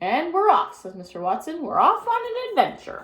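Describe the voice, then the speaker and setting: A woman performs a put-on character voice, raised and projected. Her pitch is extremely high. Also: moderate pace. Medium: read story. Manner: jovial, hearty.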